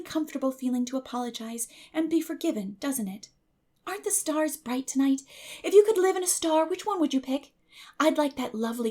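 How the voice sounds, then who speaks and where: A woman's voice: high-pitched, darkish tone, pitched above the performer's own voice. A woman voicing a dreamy, earnest, talkative young orphan girl in a gushing, dramatic audiobook reading. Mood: dreamy, chatty.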